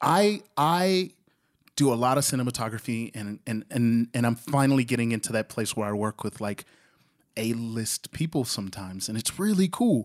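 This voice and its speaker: This is a normal speaking voice from a man with a medium pitch and lively intonation. The sound is dry and close, with no echo. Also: moderate pace. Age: 20s. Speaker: independent filmmaker. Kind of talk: casual chat.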